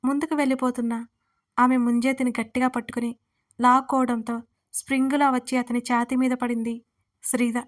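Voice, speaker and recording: Woman narrating an audio story, even tone. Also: fairly high pitch, a little fast, long pauses.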